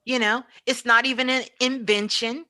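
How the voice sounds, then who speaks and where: A woman's voice: a little high, steady tone, moderate pace, pushed and bright. A woman giving an impassioned spiritual talk as a guest teacher, emphatic and repetitive like a preacher.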